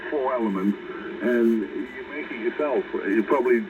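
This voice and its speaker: A man's voice: mid-range voice, normal speed. A middle-aged American man chatting casually and encouragingly over a radio transmission. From United States. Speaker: amateur radio operator. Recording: tinny, noisy shortwave CB radio signal.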